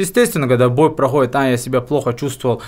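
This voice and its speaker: A man with a normal speaking voice, medium pitch and ordinary pitch variation. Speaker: MMA fighter. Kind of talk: interview.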